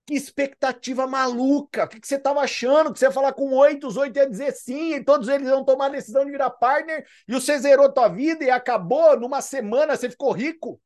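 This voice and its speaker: Fired-up Brazilian sales mentor. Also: male voice, very high-pitched, fast talker, few pauses, darkish tone. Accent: Brazilian Portuguese. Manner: emphatic, repetitive, fired-up. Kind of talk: motivational training talk.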